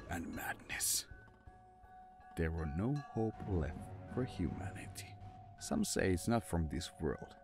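Deep, slow man narrating horror over music. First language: not English. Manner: ominous, dramatic. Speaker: narrator and writer. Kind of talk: scripted horror story narration.

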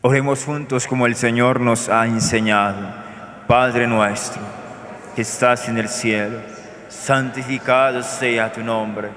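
Give me a priest, speaking in a monotone as he prays through the Mass in a reverberant church. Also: mid-range voice. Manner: measured, solemn liturgical recitation. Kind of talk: celebrating Mass, praying aloud. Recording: echoey church with long reverb.

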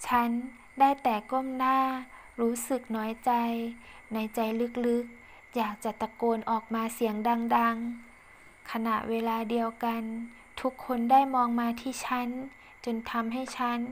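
A young woman narrating her own audio story in the first person, slow and confiding, with a dramatic touch. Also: a little high, little pitch movement, a little hiss or hum.

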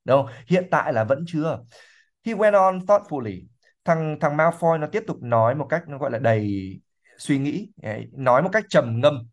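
A man's voice: a little high, lively intonation. Chatty man teaching vocabulary. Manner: chatty, repeats words slowly, thinks aloud with fillers. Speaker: English teacher. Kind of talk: livestream reading lesson explaining vocabulary.

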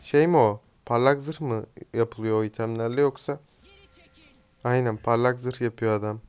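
Young male gaming streamer, smooth clear voice, mid pitch, chatty and teasing play-by-play. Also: steady tone, normal speed, darkish tone, soft background music. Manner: chatty, teasing, swears casually at teammates. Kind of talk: casual live gameplay commentary.

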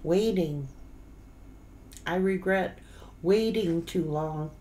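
A middle-aged woman reads tarot aloud, unhurried and slightly low in pitch. She speaks in fragments, pausing and repeating herself as she goes. Ambient noise is clearly audible behind her. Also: warm tone. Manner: halting, broken phrases with repeats. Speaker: tarot reader. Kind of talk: unscripted tarot reading. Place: indoor room, seated at a table.

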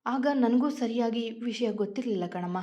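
Guilt-ridden old father-in-law, voiced by a woman, mellow and muffled. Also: a little high, normal speed, close to an everyday voice. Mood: regretful. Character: remorseful older father-in-law.

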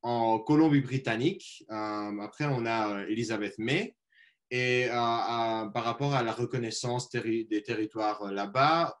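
Young man haltingly reading an acknowledgement. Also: medium pitch. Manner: reads carefully, stumbling on names with fillers. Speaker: moderator. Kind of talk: reading a formal land acknowledgement. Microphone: video call.

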